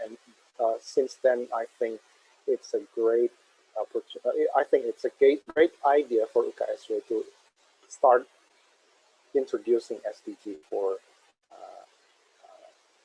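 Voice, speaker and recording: With an Indonesian accent, a man talks at a fairly slow pace with long, frequent pauses and big swings in loudness, in a dry, close sound with no echo. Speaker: university lecturer. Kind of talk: lecture. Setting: video call. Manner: halting.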